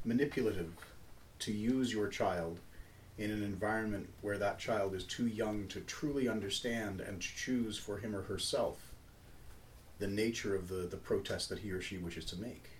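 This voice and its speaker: A man speaks with a fairly low pitch, somewhat breathy. He leaves long, frequent pauses. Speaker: audience member asking questions. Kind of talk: Q&A discussion.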